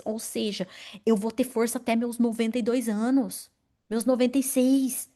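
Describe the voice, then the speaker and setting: A woman in her forties preaching a sermon in an animated, personal way, calling on members of the congregation by name. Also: sits high. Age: 40s. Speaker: pastor.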